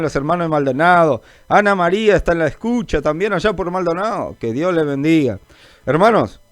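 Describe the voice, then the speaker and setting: Chatty radio preacher, dry sound. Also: male voice, medium pitch, no room sound. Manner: chatty, greets listeners by name, calls them brother; informal, rambling, many fillers. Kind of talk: live call-in gospel radio chat.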